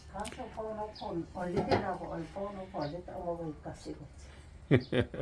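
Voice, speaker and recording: Against noticeable background noise, a woman talks fairly slowly at a medium pitch, with ordinary pitch variation. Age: 80s+. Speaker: farmer. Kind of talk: casual conversation.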